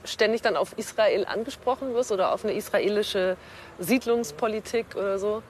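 A woman's voice: mid-range voice, normal speed, darkish tone, slight background noise. A woman reporter hosting an educational piece, talking informally to viewers and interviewing a guest. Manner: chatty, informal, addresses viewers. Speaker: reporter and host.

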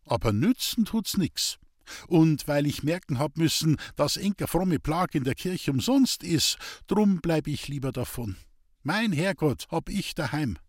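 A man's voice: fairly high pitch, lively intonation, measured pace, dry recording, clean studio sound. A man voicing a weary, bitter old village woman speaking in Bavarian dialect in a storybook reading. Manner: plaintive, bitter, resigned.

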